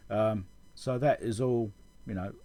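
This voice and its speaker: A man's voice: on the low side, a little slow, dark tone. A man giving an informal technical tutorial, explaining things as he thinks aloud. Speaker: electronics repair video host. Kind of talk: casual technical tutorial over schematics.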